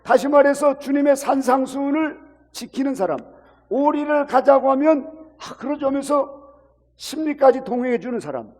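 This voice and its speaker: A man's voice: extremely high pitch, animated, normal speed, darkish tone, big-room sound. A man preaching a sermon to a congregation, illustrating his points with acted-out everyday examples. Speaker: pastor.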